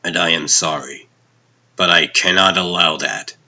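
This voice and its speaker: A man voicing a corrupted, sinister vigilante villain who speaks slowly and menacingly in a comic dub. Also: sits low, steady tone, bright, forceful tone, exaggerated voice. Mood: cold, brooding. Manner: slow, menacing, deliberate delivery. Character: corrupted dark Batman, sinister, calmly gloating male villain.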